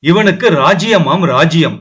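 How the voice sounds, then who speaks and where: A bitter older king mutters with barely held rage, read by a man narrating an audio novel. His voice sits fairly high. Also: expressive, a little slow, fairly bright tone. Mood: seething. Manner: seething.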